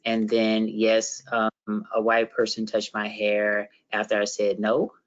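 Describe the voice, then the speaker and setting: A man co-facilitating an online workshop, reading out participant comments in a steady way with many fillers. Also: fairly low pitch, slow, dull audio.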